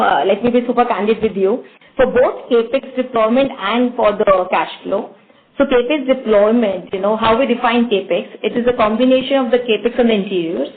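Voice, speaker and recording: Over a tinny conference phone line, a woman with an Indian accent speaks in a fairly high voice. She answers as a company executive, explaining cautiously and doubling back on her words. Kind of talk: earnings call answers.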